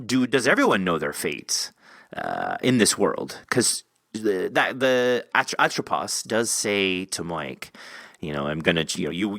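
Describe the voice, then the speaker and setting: A man's voice: sits low, vocal fry, bright, forceful tone, no echo, clean studio sound. A man hosting a podcast in casual interview chat, rambling and thinking aloud as he goes. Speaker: podcast host.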